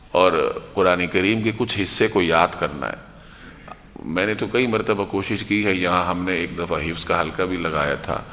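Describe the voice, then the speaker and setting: A man's voice: sits low, a bit bright, long reverb tail. A man giving a Quran lecture as a sermon, urging his listeners with rhetorical questions and repeated lists.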